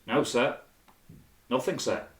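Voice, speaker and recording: A man playing a nervous, stiff marine corporal in an audiobook, halting and deferential. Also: medium pitch, echoey room, voice pushed up, lightly acted.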